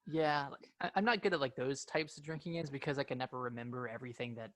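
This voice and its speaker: A young man co-hosting a podcast, chatting casually and agreeably in short, relaxed replies. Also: medium pitch, fast talker, no room sound. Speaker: podcast co-host. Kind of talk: casual chat.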